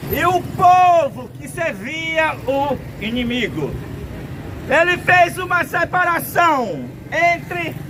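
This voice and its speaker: A Brazilian man with a Brazilian Portuguese accent preaching a sermon in a slow, deliberate, emphatic way, recorded outdoors. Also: extremely high pitch. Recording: outdoor traffic noise behind.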